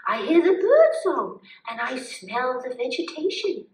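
An earnest, gently instructive woman puppet, voiced by a woman, explains mindfulness in a live puppet show. Her voice is very high and swoops with lively enthusiasm. The sound is roomy and distant. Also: unhurried, slight background noise. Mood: explaining.

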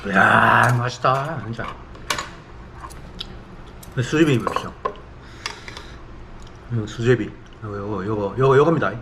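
A man's voice: on the low side, moderate pace, vocal fry, hardly any pauses, heavy background noise. A middle-aged man from South Korea hosting a casual eating show, talking expressively as he savors his food, at times with his mouth full. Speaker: mukbang host.

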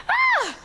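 A woman's voice: bright, forceful tone, full character voice. A woman playing a vain wicked stepmother in a stage musical, with theatrical, exaggerated delivery. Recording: stage audio from far off with faint ambience.

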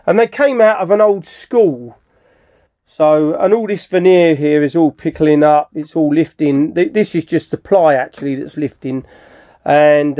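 Filming with a handheld camera from behind it, a middle-aged British man walks through a furniture restoration in his cluttered indoor wooden workshop. His voice is slightly high with a dark tone, and his casual, hands-on commentary rambles as he keeps rephrasing himself. The sound is somewhat dull and lo-fi.

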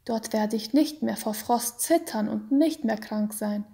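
Woman reading a frail young mother, quiet, breathy half-whisper, slow, warm. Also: on the high side. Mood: consoling. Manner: soft, weak, half-whispered. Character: sick young mother, weak and gentle. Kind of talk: storybook reading.

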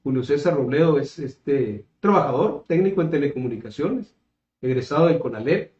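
A man's voice: on the high side, lively intonation, moderate pace, a little mellow. A man in his fifties with a northern Mexican accent, answering interview questions conversationally, often hesitating and repeating words as he searches for the next. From Mexico, coast of Caborca in Sonora. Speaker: political candidate being interviewed. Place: small indoor room, seated at a table. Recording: roomy echo, slightly dull sound.

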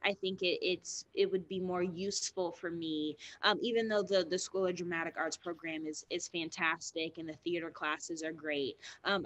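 A young woman, a college-aged actor, telling stories as a guest in an interview over a video call, animated and quick, with many fillers and restarts. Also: medium pitch. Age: young adult. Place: small room indoors.

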